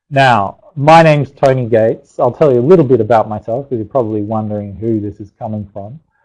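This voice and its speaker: At a moderate pace, a man with an Australian accent talks with ordinary pitch variation. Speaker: psychologist. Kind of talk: webinar presentation. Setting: live webinar.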